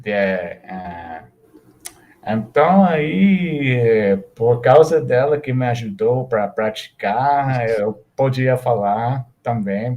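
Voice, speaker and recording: Relaxed American man, guest chat. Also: mid-range voice. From United States. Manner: relaxed, many fillers, mixes in Portuguese. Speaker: interview guest. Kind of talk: casual interview, live stream.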